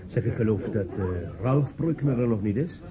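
A man's voice: mid-range voice, lively intonation, a little fast, close to an everyday voice. A man acting a probing, curious guest speaks in a conversational radio-play manner. His intonation moves widely. Party chatter surrounds the slightly dull recording. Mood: inquisitive. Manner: inquisitive, conversational.

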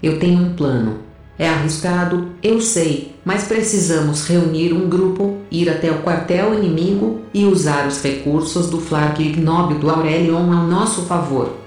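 A woman's voice: lowish voice, unhurried, darkish tone, faint music behind, close to an everyday voice. An actress playing a defiant, foul-mouthed female rebel soldier, brash and insistent, in an audio drama. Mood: defiant, urgent. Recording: very echoey, slightly distant.

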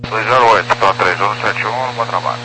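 A Brazilian man talks as a pilot over aviation radio. His voice is fairly low and he delivers short, clipped procedural readbacks. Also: fast, music in the background, low-quality recording. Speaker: airline pilot.

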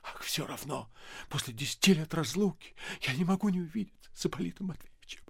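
A man's voice: on the high side, big pitch swings, slow, darkish tone, dry recording, clean studio sound, full character voice. A man putting on a fluttery fortune-teller woman. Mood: pleading whisper. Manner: breathy half-whispers, pleading. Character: nervous older female fortune-teller, fluttery.

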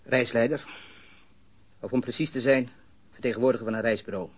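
Interrogated suspect, thirties, male actor, medium pitch with husky grain, guarded and faltering. Radio drama. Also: steady tone, brisk, lightly acted. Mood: guarded, flat. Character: evasive, guarded male German suspect in his thirties under questioning.

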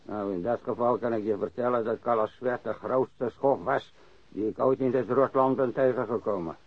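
Gravelly, bitter old dockside worker. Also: male voice, medium pitch, normal speed, dry recording. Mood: bitter, blunt. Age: older. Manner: grumbling, rambling, cursing, repeats himself. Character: crusty old warehouse worker and ex-sailor, blunt, bitter. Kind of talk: radio drama acting. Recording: dry, dull lo-fi radio recording.

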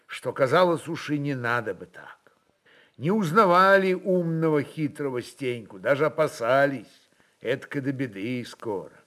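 A man narrating a literary work in a dramatic, expressive style, with emphatic phrasing and weighty pauses. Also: medium pitch.

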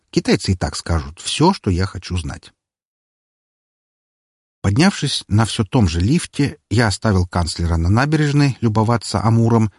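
Low, husky male audiobook narrator. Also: a little mellow, no echo, studio quality. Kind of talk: first-person fiction narration.

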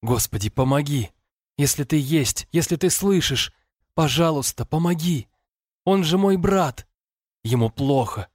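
A man voicing a frightened teenage boy who begs and shouts in desperation over his brother. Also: mid-range voice, a little slow, no echo, clean studio sound, voice pushed up, lightly acted. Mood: frantic pleading. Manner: frantic, pleading outbursts.

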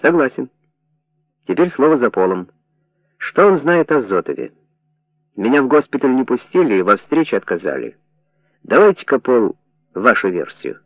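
Мужчина-чтец играет уверенного, ироничного советского чиновника. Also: male voice, medium pitch, big pitch swings, moderate pace, pauses often, no room sound. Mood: wry. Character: Soviet official, wry and confident. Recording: dry narrow phone-like sound.

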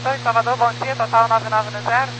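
A woman's voice: a little high, fairly even intonation, brisk. A woman making clipped pilot calls over an aviation radio communicator. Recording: noisy, humming aviation radio.

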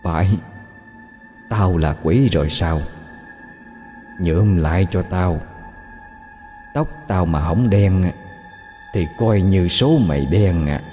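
A man voicing a sinister old female ghost who speaks slowly and quietly with menace, with a Southern Vietnamese accent. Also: low voice, big-room sound, soft background music. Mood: menacing. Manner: slow, hushed, menacing.

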